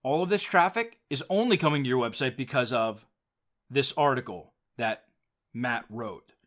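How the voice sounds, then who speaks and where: Emphatic male podcast host, animated delivery, repeats himself to stress points. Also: medium pitch, moderate pace. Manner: emphatic, repeats words when making a point. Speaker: business coach and writer. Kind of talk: casual solo podcast talk.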